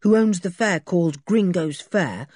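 A woman's voice: on the low side, animated, unhurried, a little mellow, breathy edge, dry recording, clean studio sound, pitched above the performer's own voice. A woman voicing a sensible schoolboy who explains things in an earnest, matter-of-fact way. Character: sensible older schoolboy, the leader.

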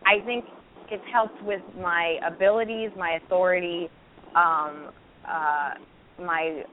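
A woman in her thirties, a stand-up comedian, telling stories candidly with quick restarts in a casual interview. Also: lowish voice, steady tone. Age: 30s. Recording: tinny phone-like line with faint noise.

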